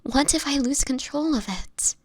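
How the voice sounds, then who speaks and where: A woman playing a sickly, gentle, anguished vampire in an intimate audio roleplay, speaking in a breathy, often whispered voice with tender, halting, formal phrasing. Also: sits high, no echo. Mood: distressed, pleading. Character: sickly homeless young female vampire, gentle, anguished, self-sacrificing.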